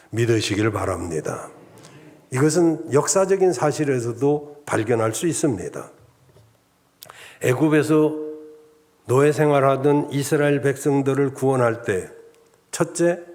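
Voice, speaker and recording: A male pastor preaching a Sunday sermon in a measured, enumerating style, often addressing the congregation directly. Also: medium pitch, a little mellow. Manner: measured preaching with enumerated points and rhetorical asides. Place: church sanctuary.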